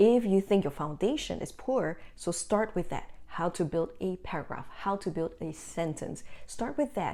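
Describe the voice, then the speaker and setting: A woman with a non-native accent speaks at medium pitch and a moderate pace, with hardly any pauses. Her tone is dark and mellow, her intonation lively, and the recording very clean with a silent background. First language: not English. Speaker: academic writing coach. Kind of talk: tutorial.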